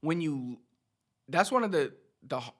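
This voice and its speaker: A man's voice: fairly high pitch, animated, measured pace, fairly bright tone. A man in his thirties talking casually and motivationally to his audience as a teacher, conversational, repeating words for emphasis. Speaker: Spanish teacher and channel host. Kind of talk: casual motivational talk to camera.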